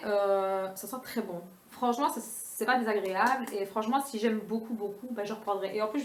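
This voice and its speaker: A young woman in a casual beauty haul vlog, talking quickly and chattily with many fillers. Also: a little high. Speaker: beauty vlogger. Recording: echoey room.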